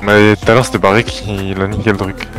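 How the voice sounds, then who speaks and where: A man with a fairly low voice banters with a fellow gamer. His talk is casual, slangy and joking, over faint music. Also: level tone, brisk. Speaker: fellow player in online roleplay game.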